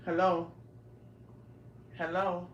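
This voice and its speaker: This livestream host is a Brooklyn-raised woman in her forties, walking viewers through her home on a handheld phone and chatting to them directly. She speaks extremely slowly in a low, completely flat voice, and the recording sounds muffled. Her small rooms make the sound roomy, with a little background noise.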